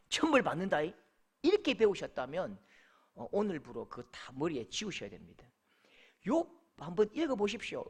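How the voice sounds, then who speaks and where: A male pastor with a Gyeongsang accent, preaching a sermon as an emotive, animated storyteller. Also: very high voice. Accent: Gyeongsang Korean.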